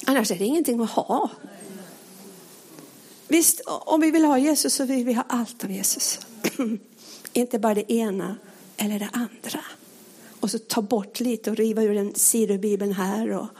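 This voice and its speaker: A woman preaching a sermon, earnest and pleading, often sinking to a hushed whisper. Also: medium pitch, husky.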